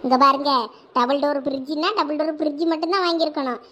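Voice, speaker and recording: A woman's voice: high voice, fairly even intonation, fast, fairly bright tone. A woman voicing a short-tempered, sarcastic village wife in a cartoon, scolding and complaining in a Thoothukudi Tamil accent. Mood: insistent. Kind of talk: dialect cartoon family comedy dialogue.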